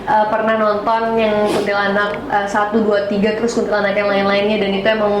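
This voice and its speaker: A woman's voice: medium pitch, monotone, fairly quick. A young woman, the lead actress, chatting earnestly in a promotional interview. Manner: earnest, loses her train of thought and laughs. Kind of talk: casual chat. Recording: echoey room with clear noise.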